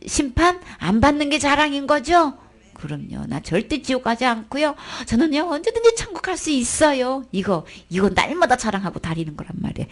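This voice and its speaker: A woman teaching a daytime church Bible lesson, coaxing her listeners with one rhetorical question after another. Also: fairly high pitch.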